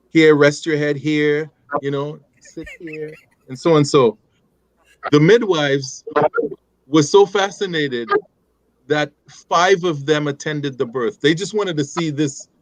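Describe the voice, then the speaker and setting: A man's voice: on the high side, dry recording, low-quality recording. Laughing middle-aged man telling stories. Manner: animated, laughing, many restarts. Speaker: guest. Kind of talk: storytelling in conversation.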